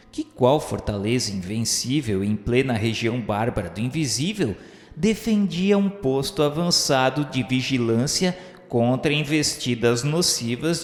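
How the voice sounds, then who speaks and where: A Brazilian man narrating a radio drama in a formal, literary style, measured and solemn. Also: medium pitch. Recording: roomy echo with long reverb.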